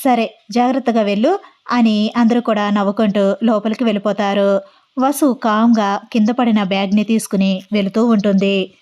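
A woman narrating a romance audio story, lively and acting out every character herself. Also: medium pitch, moderate pace. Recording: dull lo-fi recording.

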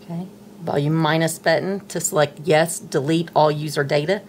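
Brief: middle-aged woman, low voice, patient tutorial host narrating hands-on steps, faint hiss. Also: fairly even intonation, moderate pace, a little mellow. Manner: patient, chatty, talks while handling the device. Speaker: tech tutorial presenter. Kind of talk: casual step-by-step tutorial. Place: indoors at a table, dim room.

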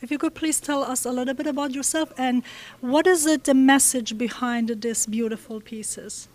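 Higher-pitched woman interviewing. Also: steady tone, moderate pace. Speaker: interviewer, host. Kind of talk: on-camera event interview. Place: large indoor exhibition room. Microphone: handheld microphone.

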